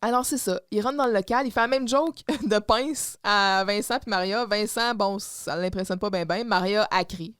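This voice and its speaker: A woman with a Québécois French accent co-hosting a podcast, recapping an episode in casual chat and loudly acting out the characters' lines. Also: medium pitch, normal speed, few pauses, clean tone, no room sound, studio quality. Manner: acts out characters' lines loudly while retelling scenes. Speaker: podcast co-host.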